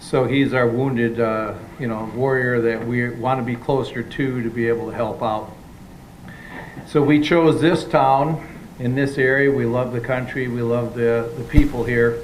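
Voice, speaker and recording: A man of medium pitch talks at a moderate pace with fairly even intonation. Audible room echo and noticeable background noise are present. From Wisconsin. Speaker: public commenter at city meeting. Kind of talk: public comment speech. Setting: city board meeting. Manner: hesitant with fillers.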